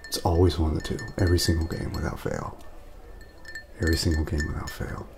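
A man playing an easygoing friend and long-suffering baseball fan in a soft-spoken, casual ASMR roleplay, often repeating himself and slipping toward a whisper. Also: extremely low pitch, little pitch movement, fast talker, creaky, background noise. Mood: mildly exasperated. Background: background music, clinking glasses.

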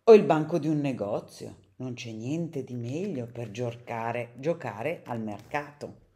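A woman voicing an excitable, imaginative young male dog in a children's storybook reading, talking in a playful, eager way. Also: very deep voice, a little slow.

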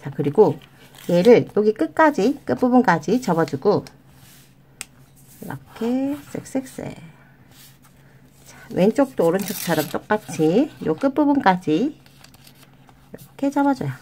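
A woman hosting a children's origami tutorial, explaining each fold step by step in a gentle, sing-song way and addressing the kids as friends. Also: mid-range voice, big pitch swings, normal speed, a little hiss or hum. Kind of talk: step-by-step craft instruction.

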